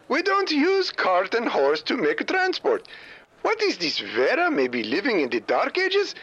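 A brash comic caller from overseas, as a man puts him on, cracks cheeky deadpan jokes in broken grammar. His high, bright voice swoops all over. It comes through as a dull, lo-fi voicemail message played back. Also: exaggerated voice.

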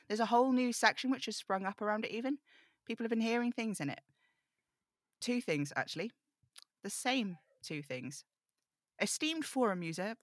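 A woman playing an apologetic host of an eerie radio show in an audio drama read-through, conversational, self-deprecating and measured. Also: medium pitch, a bit bright, no room sound, clean studio sound, natural voice. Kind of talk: audio drama table read, scripted monologue.

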